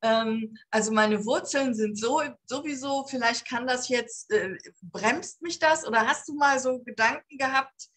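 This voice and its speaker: A middle-aged woman hosts a casual podcast chat over a video call. Her voice is bright and somewhat high, and she talks in a lively, chatty way. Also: measured pace. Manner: lively, chatty, laughs easily. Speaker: podcast host, lawyer. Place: home, indoors, green screen.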